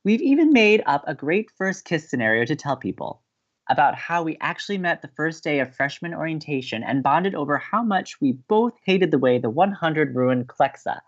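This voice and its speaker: A woman acting as a sweet, earnest, sentimental college radio co-host in an audio drama, with expressive delivery. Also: deep voice, moderate pace, highs cut off. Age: young adult. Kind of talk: naturalistic audio drama banter.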